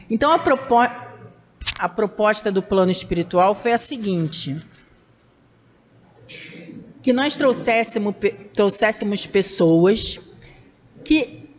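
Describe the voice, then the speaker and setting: Woman hosting a spiritist center event, calm and explanatory, reverberant hall. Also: on the high side. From Brazil. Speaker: event presenter. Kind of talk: public talk at a spiritist center. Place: meeting hall.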